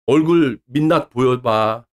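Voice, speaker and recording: A man's voice: mid-range voice, a little slow. A male channel host delivering an angry political rant, abusive, insulting and swearing nonstop.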